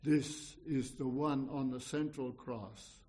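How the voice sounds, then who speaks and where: A man's voice: mid-range voice, fairly even intonation, slow, a little mellow. A man preaching an evangelical sermon in an earnest, exhorting manner, often repeating phrases and posing questions.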